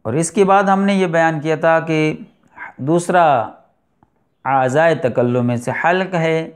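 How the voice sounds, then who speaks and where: A middle-aged man teaching a recitation lesson, explaining and slowly drawing out letters and verses. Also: a little high. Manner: slow deliberate articulation of letters, drawn-out recitation. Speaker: tajweed teacher.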